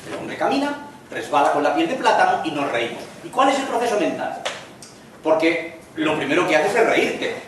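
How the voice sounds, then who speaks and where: A man's voice: a little high, big pitch swings. Spanish man lecturing in an echoey room. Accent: Spanish (Spain). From Spain. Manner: chatty, tells jokes with quick acted lines. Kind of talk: lecture with jokes. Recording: echoey room from far off, faint noise.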